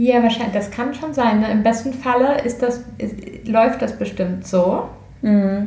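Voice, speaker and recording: Fairly slow and fairly even in intonation, a woman talks at a fairly high pitch amid noticeable background noise and audible room echo. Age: 40s. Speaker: podcast co-host. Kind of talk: casual chat.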